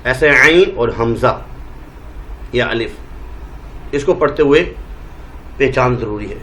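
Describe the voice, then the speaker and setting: A male teacher with a Pakistani Urdu accent, giving a Quran reading lesson and drawing out each letter name slowly to show how it is said. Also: medium pitch, a bit bright, a little hiss or hum, low-quality recording. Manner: draws out letter names slowly, modelling pronunciation.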